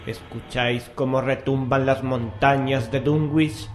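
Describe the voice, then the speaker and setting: A man's voice: medium pitch, steady tone, unhurried. Echoey, ominous Spanish male horror narrator. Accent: Castilian Spanish. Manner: ominous, theatrical. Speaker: horror radio show host and narrator. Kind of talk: dramatic scripted horror narration. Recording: roomy echo, music bed. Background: music.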